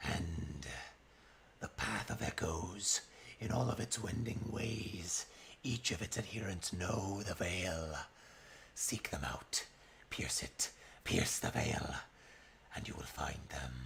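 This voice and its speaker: A man whispers in a put-on character voice. Background noise is clearly audible. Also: fairly slow pace. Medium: actual play. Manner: cryptic, incantatory.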